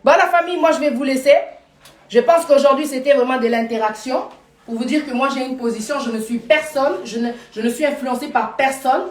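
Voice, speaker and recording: A woman's voice: high-pitched, a little fast, recorded from a distance. Emphatic Paris woman live-streaming, roomy sound. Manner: emphatic, repeats lines for force. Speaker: live streamer addressing followers. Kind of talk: casual live chat, mixing French and Lingala.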